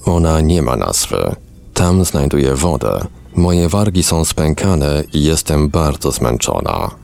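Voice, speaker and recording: A man reading the lines of a tired young woman under hypnosis, in slow, subdued, matter-of-fact answers. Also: extremely low pitch, expressive, creaky, darkish tone, full character voice. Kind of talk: reading a hypnosis session transcript aloud.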